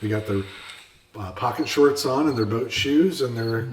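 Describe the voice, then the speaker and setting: A man's voice: medium pitch, normal speed, a little hiss or hum. A man in his late thirties co-hosting a podcast, joking and agreeable in casual chat. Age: late 30s. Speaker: podcast co-host. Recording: echoey room from far off.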